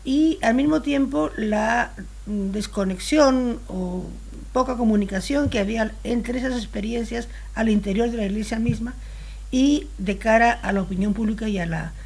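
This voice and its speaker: A Spanish-born woman in her sixties, her voice a little high and husky, speaks as an interview guest. She's relaxed and reflective, pausing as she searches for the right words.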